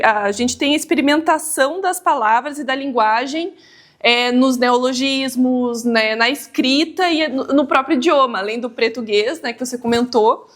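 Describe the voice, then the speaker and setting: A woman's voice: a little high, fairly bright tone. A woman interviewer asking long questions, often restarting phrases as she forms them. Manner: searching, restarts phrases while forming questions.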